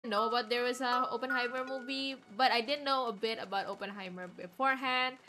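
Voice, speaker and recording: A woman livestream host chatting casually in a rambling, hesitant way with halting sentences. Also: on the high side, fairly even intonation. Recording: music playing behind the voice. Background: clear background music.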